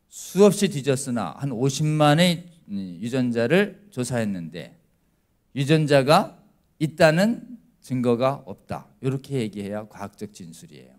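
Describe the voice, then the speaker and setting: A middle-aged man, a lawyer, giving a church lecture who keeps asking the congregation questions and acting out quoted voices, swinging between loud and quiet. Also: medium pitch, expressive, moderate pace. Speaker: lawyer speaking at a church prayer meeting.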